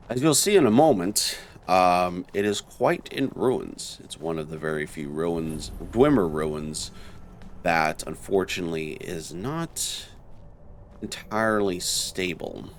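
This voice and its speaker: Very deep, slow-talking man. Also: a little hiss or hum. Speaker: video game walkthrough host. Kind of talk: casual game commentary.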